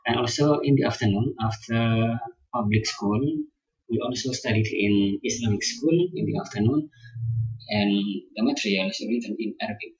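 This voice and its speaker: A man with husky speech who learned English as his fourth language talks slowly and haltingly, filling the gaps with fillers. The sound is dull and lo-fi, with no room echo. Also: on the low side. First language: not English (English is his fourth language). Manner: hesitant, many pauses and fillers. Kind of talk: casual personal account.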